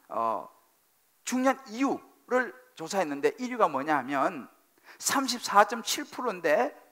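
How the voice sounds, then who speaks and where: A middle-aged man preaching from a church pulpit, his voice pitched very high and swinging widely as he drives points home. The tone is bright and edged with gravelly fry, and he keeps repeating phrases and firing questions at the congregation. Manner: animated preaching, emphatic repetition, questions to the congregation. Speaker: senior pastor. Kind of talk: sermon. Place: church sanctuary.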